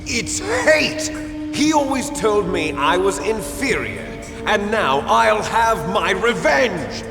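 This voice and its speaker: Vengeful, theatrical villain in an echoing hall. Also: male voice, sits high, creaky, full character voice. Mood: furious, ranting. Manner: theatrical, taunting, grandiose. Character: vengeful, bitter villain, resentful cloned twin brother. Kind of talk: dramatic video game voice acting. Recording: echoey hall reverb under music.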